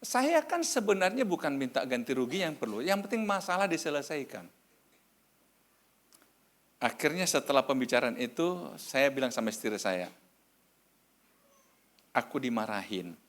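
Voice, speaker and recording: A middle-aged male pastor preaching a sermon, telling a story with lively acted-out exclamations. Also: normal speed, long pauses. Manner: animated storytelling, acting out voices, sudden high exclamations.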